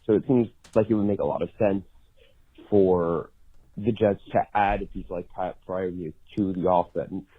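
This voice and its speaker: A man's voice: deep voice, steady tone, normal speed. A man leaving a casual fan voicemail over a narrow, muffled phone line.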